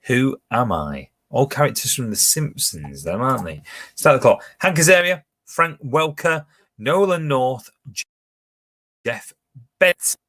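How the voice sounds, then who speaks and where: A man's voice: medium pitch, lively intonation, measured pace, a bit bright. A man hosting a pub quiz from home, chatting casually as he reads out questions, answer options and team scores. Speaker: quiz host.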